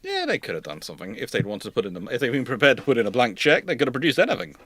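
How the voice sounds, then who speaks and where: A consultant who hosts a naval history livestream answers questions, repeating himself hesitantly and restating points emphatically. His mid-range voice swings hugely in pitch, racing along with a sharp tone and no echo.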